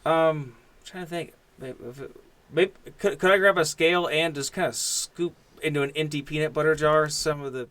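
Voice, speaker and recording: A man's voice: fairly high pitch, steady tone, moderate pace, fairly bright tone, dry recording. A man playing in a tabletop game, chatting casually and hesitantly, thinking aloud as he goes.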